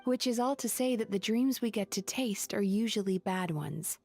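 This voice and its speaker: A woman acting a gentle yokai therapist in a video game, reflective and a little wistful. Her pitch is middling for a woman and her delivery is measured, with soft music playing underneath. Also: close to an everyday voice. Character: gentle, wistful female dream-eating yokai psychologist. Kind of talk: video game character dialogue.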